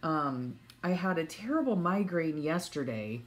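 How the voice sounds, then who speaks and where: A woman with a low voice chats casually to her viewers as a vlogger. Her pace is unhurried and meandering, with a folksy, hesitant way of talking. She sounds congested and sniffly. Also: lively intonation. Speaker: vlogger showing stationery. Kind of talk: casual rambling chat. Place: at home.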